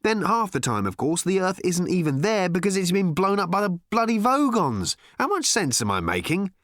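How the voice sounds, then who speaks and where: Anxious bewildered Englishman, voiced by a male narrator, high and insistent. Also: big pitch swings, moderate pace, fairly bright tone, no room sound, clean studio sound. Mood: fretful.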